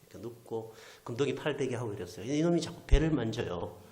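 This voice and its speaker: A male pastor with a delivers an animated storytelling sermon, his pitch swinging widely as he acts out the people he quotes. At times he sinks almost to a whisper. The sound rings in an echoey church hall. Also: fast talker. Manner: animated storyteller, acting out quoted voices, drops to near whisper. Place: church sanctuary.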